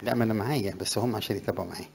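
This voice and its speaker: A man's voice: on the low side, very fast, gravelly, a little mellow. A middle-aged man, a priest with an Egyptian Arabic accent, giving a conversational sermon to young graduates and rising in emphasis on scripture verses.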